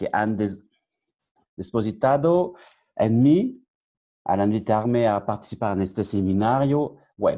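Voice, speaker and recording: Against a quiet background, a man with a non-native accent speaks very slowly in a dark, mellow tone at a medium pitch, with lively intonation. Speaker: orthopedic surgeon. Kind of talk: lecture. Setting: online webinar.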